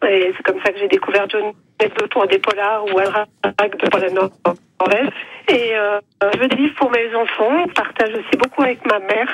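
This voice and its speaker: A woman's voice: mid-range voice, steady tone, moderate pace, rough recording. Middle-aged woman caller over the phone, eager and chatty, faint hiss behind. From France (Savoie). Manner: eager, talkative, lots of "euh". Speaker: radio caller.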